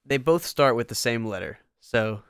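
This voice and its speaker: A young man co-hosting a podcast in casual chat, excitable and rambling, often restarting his sentences. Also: moderate pace, clean tone, no echo, studio quality. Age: young adult. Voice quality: higher voice. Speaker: podcast co-host.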